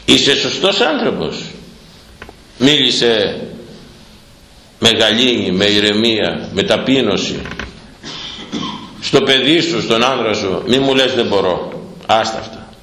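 A man preaching a sermon on Proverbs, impassioned, firing rhetorical questions and rising to shouts. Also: lowish voice, animated, pauses often, echoey room, a little hiss or hum, low-quality recording.

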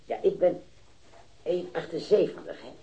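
With a natural, dark voice on the high side, an actor portrays a hesitant metal worker in his early thirties who eagerly describes a robbery he witnessed. Typical of 1970s radio drama acting, his speech stammers, halts, and repeats words, in an unsure, rambling manner.

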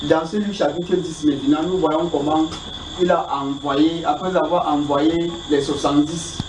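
A man asking questions about the Bible in a halting, roundabout way, repeating himself often. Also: a little high, steady tone. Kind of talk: informal spoken question. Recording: echoey, distant, noisy pickup.

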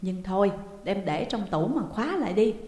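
A woman voicing a calm older man, the master of the house, who soothes the others slowly and gently, with a roomy echo and long reverb. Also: mid-range voice, close to an everyday voice. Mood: placating.

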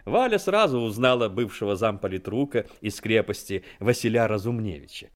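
A man's voice: lowish voice, lively intonation, moderate pace. A man reading scripted literary narration as the narrator of a radio play.

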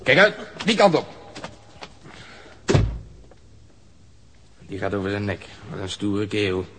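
An actor playing a gruff, hard-boiled policeman in a radio drama, blunt, sardonic and scornful. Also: lowish voice, sing-song, a little fast. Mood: curt, mocking. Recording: faintly noisy drama recording.

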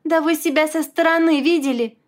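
A woman voicing an alarmed, fiercely loyal young female friend in an audiobook, in a shrill, excited, indignant manner. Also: measured pace. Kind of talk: audiobook character voice.

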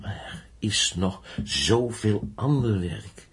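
Fervent young idealist, widely swinging pitch. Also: male voice, animated, very slow, heavily acted. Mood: despondent, earnest. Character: earnest young blind inventor-teacher, stubborn, idealistic, lonely. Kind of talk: Dutch radio play acting.

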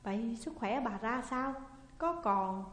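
A woman voicing a sly, pushy old male sorcerer in a story, speaking calm and measured. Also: on the high side. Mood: insistent. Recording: long echoey reverb.

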